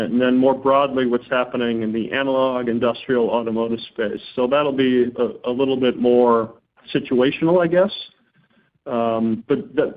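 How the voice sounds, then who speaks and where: A man speaking as a company executive on an earnings call, answering questions informally and often repeating words as he goes. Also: mid-range voice. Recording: narrow phone-like conference line.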